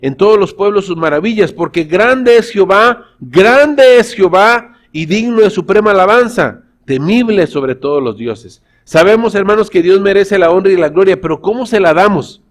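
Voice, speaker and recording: Hardly pausing, a pastor speaks a little fast in a voice that sits high. He's preaching a sermon in church, telling stories and addressing the congregation as brothers.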